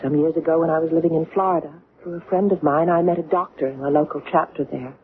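A woman's voice: deep voice, steady tone, fast talker, lightly acted. An actress playing a poised, frank young mother troubled by a strange encounter, in a direct, dry radio drama style. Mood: confiding, uneasy. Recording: muffled, noisy old radio recording.

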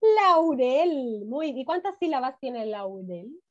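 A woman from Chile teaches a first-grade reading class over a video call, praising often with a warm, encouraging tone, drawing words out, and saying "muy bien" frequently. Her voice is high with big pitch swings, and the audio is dull and lo-fi.

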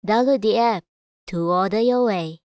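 A woman reading scripted voice-over in a measured, clearly enunciated way. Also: mid-range voice, darkish tone, a little hiss or hum. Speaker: voice actor. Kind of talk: voice-over demo reading of commercials, narration and announcements.

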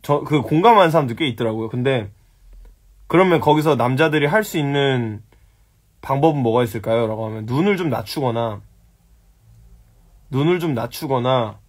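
A man's voice: mid-range voice, expressive, brisk, long pauses, breathy edge. A young man hosting a casual live stream, answering viewer questions bluntly, teasing and swearing at them. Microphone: phone.

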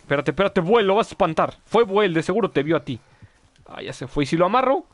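A man's voice: high voice, lively intonation, fast, no room sound. A man commenting live on his gameplay, chatting with viewers and yelping at mishaps. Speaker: gaming streamer.

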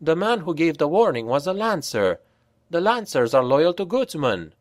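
A man's voice: on the high side, big pitch swings, normal speed, no room sound, studio quality, voice pushed up. A man voicing an anxious young male soldier who sounds incredulous. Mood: fretful. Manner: fretful, incredulous.

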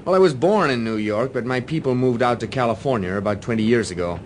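A man's voice: mid-range voice, quick pace, a little hiss or hum, close to an everyday voice. An actor playing an amiable, slightly uneasy American man abroad in a radio drama, with an American accent. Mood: casual.

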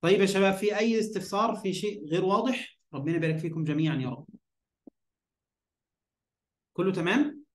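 A man's voice: high voice, animated, quick pace, long pauses, roomy sound. A man with an Egyptian accent teaching Arabic grammar in an online lesson. He poses questions, answers them himself, and keeps checking that his students follow.

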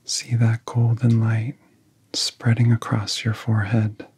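A man guiding a relaxation in soft-spoken ASMR style, with a soft, whispery voice and gentle, soothing phrasing broken by long pauses. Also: on the low side, completely flat delivery, no room sound. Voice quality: soft, breathy, often whispery. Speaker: ASMR hypnosis guide.

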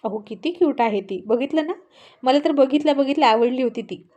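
A woman's voice: sits high, brisk, warm tone. A woman voicing a fond, wise middle-aged mother-in-law who talks reassuringly to her husband in a storybook reading.

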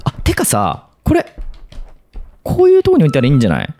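A man's voice: mid-range voice, wildly swooping pitch, fast, warm tone. A man commenting on a horror game as he plays, muttering to himself and breaking into sudden yelps. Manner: jumpy, talks to himself, sudden yelps and laughs. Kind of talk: let's play commentary.

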